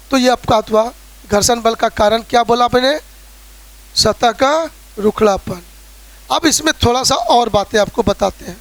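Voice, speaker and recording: A man with a strikingly high voice gives a physics lecture in Hindi with a Bihari accent. He explains in a conversational way, uses homely examples and keeps checking that his students are following. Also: a bit bright. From Bihar, India. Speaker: physics teacher. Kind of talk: classroom lecture.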